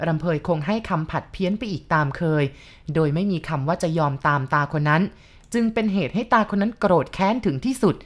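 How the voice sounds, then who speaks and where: A woman narrating a first-person ghost story in a steady, even reading voice. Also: fairly low pitch, brisk.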